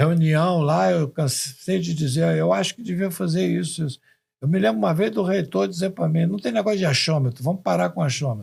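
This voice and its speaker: A fairly high-pitched male voice at a fairly quick pace, with very wide pitch swings and very even loudness. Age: 80s+. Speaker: computer science professor. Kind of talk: podcast interview, storytelling.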